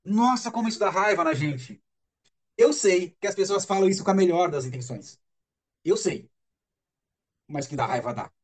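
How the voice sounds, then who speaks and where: A man from Brazil speaks to an online audience in a high-pitched voice. His delivery is earnest and emphatic, and he circles back to repeat key words. It sounds like a live stream picked up on a webcam or phone mic. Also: expressive, moderate pace, pauses often. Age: adult father. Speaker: speaker on autism parenting.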